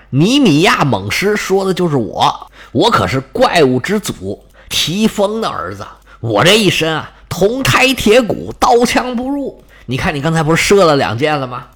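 A man's voice: fairly high pitch, fairly bright tone, slightly rough, exaggerated voice. A man voicing a huge, boastful male lion monster that talks lazily and scolds.

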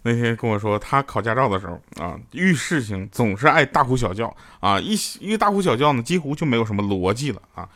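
Lively male comic, stand-up set, swooping playful delivery. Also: mid-range voice, fairly quick, few pauses. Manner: animated joke-telling with playful asides. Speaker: comedian and sponsor spokesman. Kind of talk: stand-up comedy monologue.

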